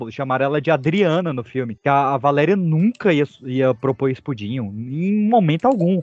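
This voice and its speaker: A man's fairly high voice at a moderate pace, lively in intonation, with hardly any pauses. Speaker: podcast host. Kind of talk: casual chat. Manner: animated.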